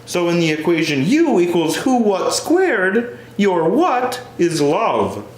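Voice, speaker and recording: Pedantic eccentric science teacher, playing both parts. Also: male voice, sits high, wildly swooping pitch, slow, voice pushed up, heavily acted. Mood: earnest lecturing. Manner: pedantic, theatrical lecturing. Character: eccentric pedantic male chemistry teacher, nerdy mad-scientist type. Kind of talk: one-man stage comedy, playing both parts. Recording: roomy, echoing stage sound.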